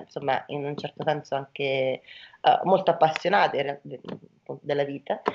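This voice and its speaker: A woman's very deep, low voice at a moderate pace, over light background noise. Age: 40s. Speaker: novelist and translator; interviewee. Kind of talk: interview. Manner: halting. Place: home room. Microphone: webcam.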